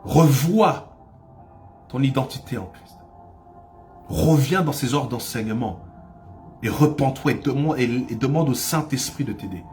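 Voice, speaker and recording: A man's voice: medium pitch, expressive, a little slow, long pauses, a little mellow, faint music behind. A man preaching a sermon as pastor, with impassioned delivery that rises to cries and repeats phrases for emphasis.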